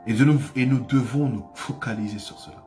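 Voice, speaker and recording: A man's voice: mid-range voice, fairly quick, mellow, faint music behind. A man preaching a sermon as pastor, with impassioned delivery that rises to cries and repeats phrases for emphasis.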